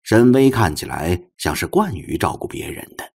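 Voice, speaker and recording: A man narrates a novel in a very low, husky voice. His storytelling swings widely in pitch, giving the scripted prose a highly animated delivery. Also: normal speed. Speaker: audiobook narrator.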